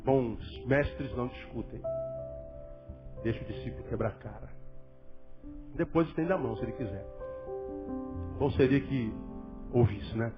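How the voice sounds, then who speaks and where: A man preaching a sermon as pastor, dramatic, swinging between loud emphasis and near-whispers, in a dull lo-fi recording with faint music. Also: mid-range voice, measured pace, long pauses.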